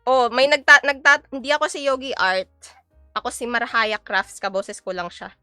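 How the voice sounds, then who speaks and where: A woman's voice: a little high, steady tone, normal speed, bright, forceful tone, clean tone, no room sound, studio quality, soft background music. Playful, giggly young woman streamer. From Philippines. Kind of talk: casual live-stream chat while cooking.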